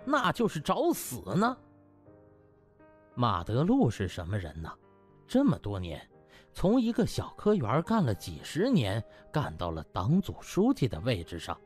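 A man narrating a comic novel as an audiobook, in an animated, dramatised storytelling style. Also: medium pitch, husky.

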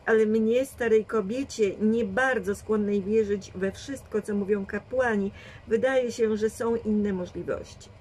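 A woman's voice: mid-range voice, darkish tone, a little hiss or hum, close to an everyday voice, rough recording. A woman voicing a shrewd, dry and commanding old grandmother who reasons firmly in a read storybook. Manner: measured, firm reasoning.

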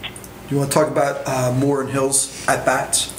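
Flat-voiced male sports reporter. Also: medium pitch, moderate pace, reverberant, a little hiss or hum. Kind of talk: asking interview questions.

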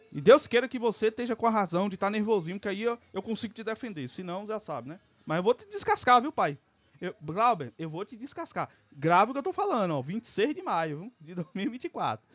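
Male streamer, high and quick, heated profane rant; dull lo-fi stream audio. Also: sing-song, a bit bright. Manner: fiery, profane, argumentative. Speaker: reaction streamer. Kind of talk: heated live reaction commentary.

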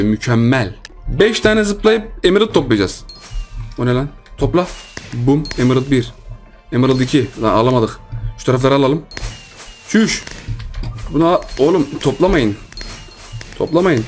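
An excitable man chatters through a Minecraft let's-play, repeating words and teasing the other players. His voice sits in a middle pitch, and faint music runs quietly under the commentary. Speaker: gaming YouTuber.

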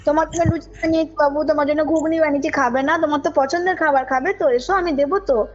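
A woman's voice: high-pitched, steady tone, fast. A woman tells a personal story as a caller, informally and emphatically, often checking that her listener follows. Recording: muffled call audio under loud music. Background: background music.

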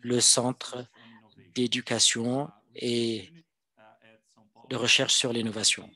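A man interpreting a formal presentation live, in halting phrases that come piece by piece. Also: medium pitch, little pitch movement, bright, forceful tone, low-quality recording. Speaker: simultaneous interpreter.

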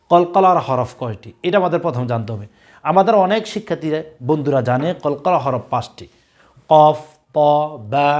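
A male religious teacher giving a recorded lesson to young pupils, spelling out letters loudly and slowly and repeating each drill several times. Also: fairly high pitch. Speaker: Quran and tajweed teacher.

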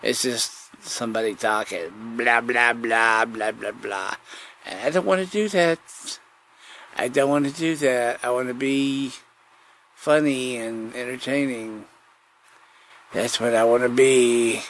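Slow-talking man rambling, noisy recording. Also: medium pitch, a bit bright. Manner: repeats phrases. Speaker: podcast host. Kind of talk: rambling comic monologue. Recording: noticeable background noise.

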